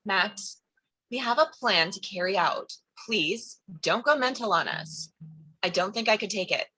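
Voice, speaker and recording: A woman's voice: mid-range voice, lively intonation, a little slow, sharp tone, breathy edge, heavily acted, poor audio. A woman playing a sulky, snarky, self-dramatizing teenage girl in a film table read. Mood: pointed.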